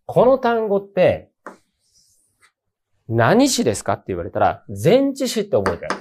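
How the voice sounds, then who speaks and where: Man, English teacher, casual exam-prep lecture, very animated pitch, emphatic, colloquial. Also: a little slow.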